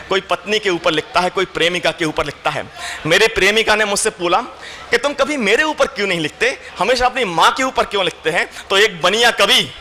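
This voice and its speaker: High, bright-voiced man doing stage comedy. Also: slight background noise. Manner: animated, acts out voices in anecdotes. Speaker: stage poet. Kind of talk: comic storytelling and poetry recital. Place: stage at an indoor event hall.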